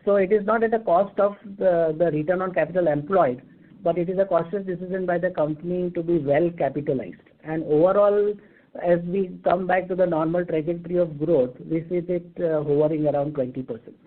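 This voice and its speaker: An executive man with an Indian accent gives methodical, formal explanations on an earnings call. His voice sits a little high. The sound is narrow and tinny, as over a telephone line. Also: brisk. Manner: formal, methodical, enumerating points. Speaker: company executive answering investor questions. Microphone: telephone conference call.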